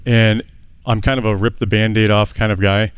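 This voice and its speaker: Earnest low-voiced man in his thirties. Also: level tone, normal speed, smooth, no echo, clean studio sound. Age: 30s. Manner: earnest, chuckling, plain-spoken. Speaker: guest. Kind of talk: telling his story in a studio interview.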